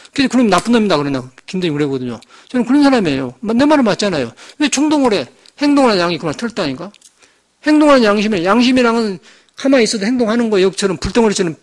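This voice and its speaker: Fast-talking high-voiced monk. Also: male voice. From Jeolla, South Korea. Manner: rambling, emphatic, conversational. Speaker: Buddhist monk. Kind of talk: dharma talk sermon.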